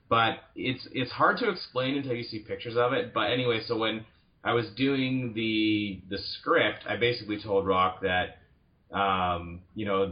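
Halting lower-voiced man, dull audio. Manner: rambling, halting with restarts. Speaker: comic book writer guest. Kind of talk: casual podcast chat.

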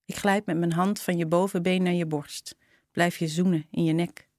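A woman narrating a short story in a slow, intimate reading style. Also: on the low side, steady tone, a little mellow, no echo, studio quality. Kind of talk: scripted storytelling.

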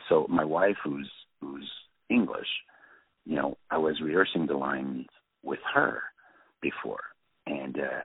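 A man with a French accent and an extremely low, gravelly voice tells stories in a halting, restarting way. His voice is husky and comes through a tinny, phone-like line. The sound is dry, with no room around it. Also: dry recording. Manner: halting, many restarts and fillers. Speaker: film director guest. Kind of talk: anecdotal interview chat.

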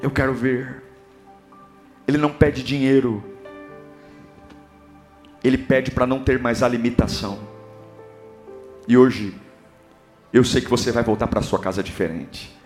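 A Brazilian man preaching a sermon, impassioned, building up to shouting. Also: medium pitch, steady tone, unhurried, long pauses, faint music behind. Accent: Brazilian Portuguese.

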